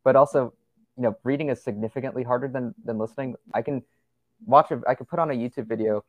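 A man's voice: medium pitch, fast, no echo, rough recording. A young man as a podcast guest, chatting casually and rambling with lots of fillers and restarts. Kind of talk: casual conversational interview.

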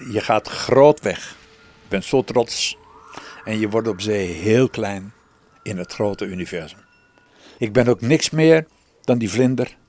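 A man's voice: fairly low pitch, darkish tone. Thoughtful man recalling solo sailing. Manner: slow, thoughtful, with pauses and hesitations. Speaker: solo sailor. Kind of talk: reflective documentary interview.

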